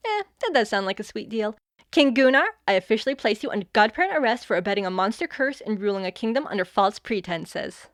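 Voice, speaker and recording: A woman playing a brisk, bossy young godparent in an audio fantasy comedy, blunt and sardonic. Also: mid-range voice, expressive, no echo, studio quality, close to an everyday voice. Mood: commanding. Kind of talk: audio fiction comedy acting.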